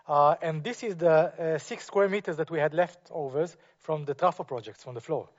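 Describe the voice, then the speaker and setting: A man with a slightly high voice talks through his architecture work in non-native English, pausing often on fillers and restarting his sentences. The sound is muffled, as if from a lo-fi recording of a lecture. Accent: non-native English speaker. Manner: hesitant, many fillers and restarts. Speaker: architect giving a talk. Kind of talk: presentation to an audience.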